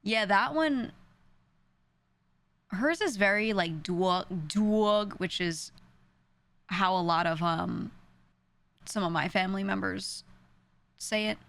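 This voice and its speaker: A woman's voice: mid-range voice, takes it slowly, gravelly, long pauses, a bit bright, no room sound. A young woman with a New York accent, chatting casually on a stream, rambling and self-deprecating with frequent laughs. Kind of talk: casual stream chat answering viewers.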